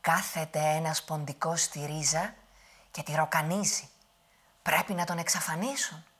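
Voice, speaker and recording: A woman voicing a grumpy, angry male giant, with a husky voice. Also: steady tone. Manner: loud, shouting, high-pitched.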